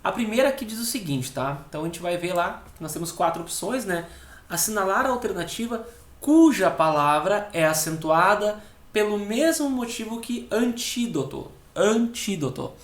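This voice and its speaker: A man with a southern Brazilian accent teaching an exam-prep lesson, explaining step by step and tagging nearly every phrase with a quick check-in question. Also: high-pitched, expressive. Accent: southern Brazilian (Rio Grande do Sul). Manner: repeats key words slowly for emphasis. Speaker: Portuguese teacher for civil service exams. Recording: echoey room.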